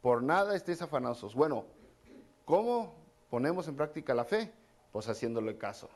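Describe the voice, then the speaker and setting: Folksy higher-voiced preacher. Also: male voice, big pitch swings, normal speed, darkish tone. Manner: casual and folksy, repeats key phrases, addresses listeners as brother. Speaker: pastor. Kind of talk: conversational sermon.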